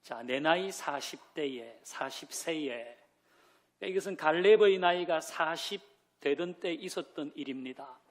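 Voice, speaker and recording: A man's voice: on the high side, measured pace. A man preaching a Sunday sermon as pastor, who asks the congregation questions, leads them in reading scripture and drops in light joking asides. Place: church sanctuary.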